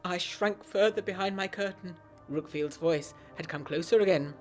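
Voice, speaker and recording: A woman's voice: fairly low pitch, moderate pace, soft background music, natural voice. A woman playing a prim, resolute young woman, narrating a period audio drama in the first person with formal diction and wry asides. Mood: tense. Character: prim, secretive, resolute young woman telling her gothic tale.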